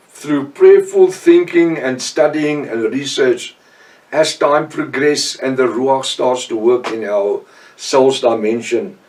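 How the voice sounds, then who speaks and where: An older South African man with an Afrikaans accent, giving an informal, earnest Bible teaching with frequent pauses and restarts. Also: medium pitch, darkish tone, recorded from a distance. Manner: earnest, halting, with many restarts. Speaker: professor and preacher.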